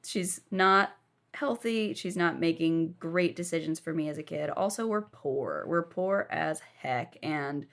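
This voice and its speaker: A woman's voice: sits low, unhurried, a bit bright. A young woman from the southern United States, telling her life story frankly while lying down as a podcast guest.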